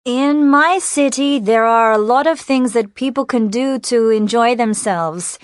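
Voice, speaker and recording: A woman reading scripted answers and sentences for a listening exercise, in a clear, careful way. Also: on the high side, a little slow, no room sound, studio quality.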